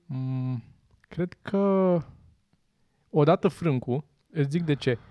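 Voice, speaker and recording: A man's voice: on the high side, mellow, no room sound. Hesitant joking man, dry mic. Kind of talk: casual banter.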